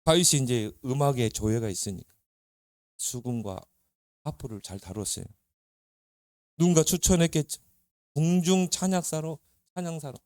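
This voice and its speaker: A man who is a pastor, giving a lively, conversational sermon to young people and telling Bible stories with questions to his listeners. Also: a little high, moderate pace, pauses often, no room sound, studio quality. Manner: lively storytelling, acting out Bible characters. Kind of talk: sermon to youth.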